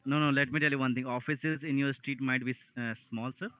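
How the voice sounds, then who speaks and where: A man's voice: mid-range voice, steady tone, brisk. A man from India with an Indian accent, a call centre worker talking defensively and insistently, repeating himself. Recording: muffled, narrow phone line.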